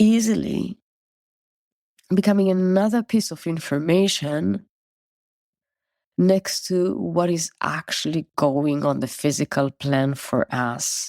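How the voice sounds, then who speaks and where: A woman's dark, mellow, fairly low voice with lively intonation at a very slow pace, dry and close with no echo in a very clean recording with a silent background. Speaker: spiritual podcast host. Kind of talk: reflective monologue.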